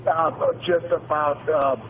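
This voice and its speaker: A man's voice: a little high, level tone, slow pace. A man calling in, giving plain spoken answers. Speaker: phone caller. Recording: tinny phone line, faint noise.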